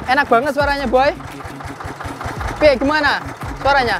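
A man, talking through a casual, excited, slangy vlog outdoors in a rice field. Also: very high-pitched, moderate pace, very noisy. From Indonesia. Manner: excited, slangy, calls viewers "boy". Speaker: vlogger. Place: outdoors in a rice field beside a running tractor.

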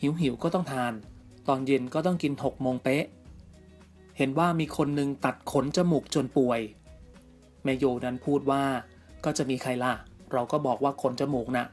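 Man reading entertainment news over soft music. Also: medium pitch, normal speed. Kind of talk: scripted news narration. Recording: music bed faint underneath.

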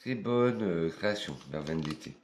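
A man from France reviewing perfumes in a casual vlog, talking in an unhurried, hesitant way and thinking aloud with many pauses. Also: low voice, animated, darkish tone, a little hiss or hum.

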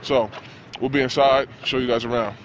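A man's voice: mid-range voice, steady tone, moderate pace. A young man giving a casual, joking walk-through tour in informal slang, recorded on a handheld camera. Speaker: vlog host giving a facility tour. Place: on the move outdoors, in a locker room and in a large indoor pool hall. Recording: noisy handheld camera, heavy ambient noise.

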